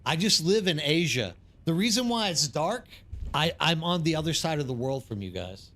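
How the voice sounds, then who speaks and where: Pitch swings widely in this man's fairly bright, high-leaning voice, though his speed stays normal. He's a live streamer from East Texas in the United States, with an American accent, rambling casually to viewers while he plays.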